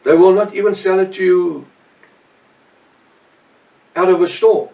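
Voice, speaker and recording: A middle-aged man, a native Afrikaans speaker with a South African accent, preaches a Bible lesson off the cuff in short, halting, emphatic phrases with repetition. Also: sits high, fairly even intonation, vocal fry, dark tone. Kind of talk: extemporaneous Bible teaching sermon. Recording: echoey room, distant microphone.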